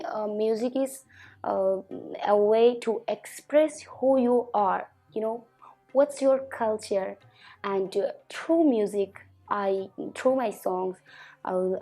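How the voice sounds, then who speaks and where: A twenty-one-year-old woman from Afghanistan, a singer giving a halting personal account full of filler pauses. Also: medium pitch, warm tone. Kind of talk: personal testimony interview.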